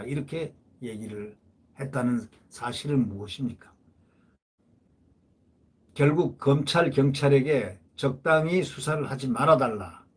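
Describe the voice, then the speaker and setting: A man's voice: mid-range voice, fairly bright tone, slightly rough. A man giving solo political commentary, talking emphatically and repeating phrases to drive his points home.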